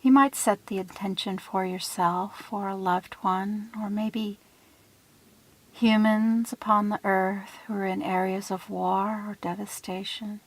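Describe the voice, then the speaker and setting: A woman leading a guided visualization in a soothing, hushed manner, with deliberate phrasing and breathy trailing ends. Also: mid-range voice, fairly even intonation, poor audio. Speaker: guided meditation leader.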